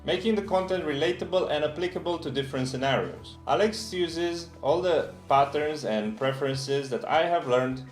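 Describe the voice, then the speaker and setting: A man delivers a persuasive course pitch in a fairly high voice. The sound is roomy, like a promo video, with soft guitar music playing underneath. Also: moderate pace, few pauses. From Romania. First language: Romanian. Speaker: language tutor. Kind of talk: scripted course promo narration.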